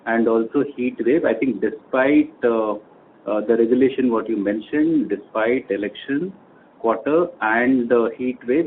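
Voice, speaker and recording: Male company executive, Indian accent, mid-pitched, fielding earnings-call questions over a narrow phone line. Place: telephone conference call. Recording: tinny phone line with faint noise.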